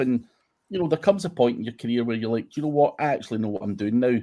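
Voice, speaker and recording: In a Scottish accent, a man talks with a dark, mellow tone. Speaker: digital marketing consultant. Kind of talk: interview. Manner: halting, filler words.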